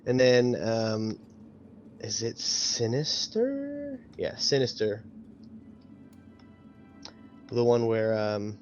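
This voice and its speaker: A man's voice: on the low side, a little mellow. A man chatting casually as a player in a tabletop game. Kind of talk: casual chat. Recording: dull lo-fi audio, faint noise. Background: faint noise.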